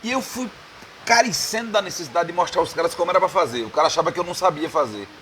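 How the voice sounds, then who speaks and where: A man's voice: sits high, animated, racing, a bit bright, slight background noise. A man, a radio producer, telling stories in a casual bar-table interview, laughing often and tagging lines with a questioning "right?". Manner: chatty storyteller, laughs often, repeats "né?". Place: bar, indoors.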